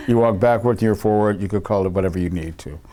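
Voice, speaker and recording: Male guest, low voice, easygoing chatter with frequent laughs. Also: mellow. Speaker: interview guest, performer. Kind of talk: casual interview chat.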